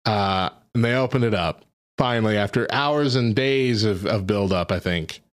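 A man's voice: lowish voice, normal speed. A man co-hosting a podcast, chatting casually and telling rambling stories full of fillers. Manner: rambling, laid-back storytelling with frequent fillers. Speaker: podcast co-host. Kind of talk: casual chat.

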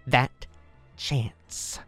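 A man's voice: extremely slow, a bit bright, dry recording, faint music behind. A man acting in a comedic audio drama, with a sardonic, grumbling delivery. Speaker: amateur audio drama actor.

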